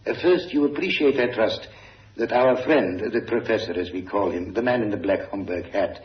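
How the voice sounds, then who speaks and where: A man's voice: lowish voice, moderate pace, lightly acted. An actor playing a suave, scheming male crime boss who talks with silky, over-polite menace in an old radio drama. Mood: smug menace. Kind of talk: 1940s radio drama acting. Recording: dull roomy old radio recording.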